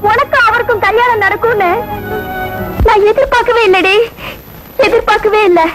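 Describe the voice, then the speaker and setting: A woman's voice: very high-pitched, normal speed, poor audio. A young actress playing an emotional, tearfully happy young woman in a family film. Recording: film soundtrack under loud music.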